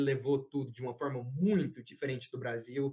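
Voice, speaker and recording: A man talks at a fairly slow pace in a plain, everyday voice. His pitch varies an ordinary amount. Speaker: engineering student. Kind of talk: casual chat.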